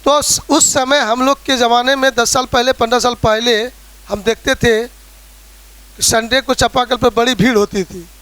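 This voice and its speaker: A man's voice: extremely high pitch, steady tone, a little slow, fairly bright tone. A man with a Bihari Hindi accent teaching a physics lesson, explaining with everyday examples and often checking in with his students. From Bihar, India. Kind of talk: classroom lecture.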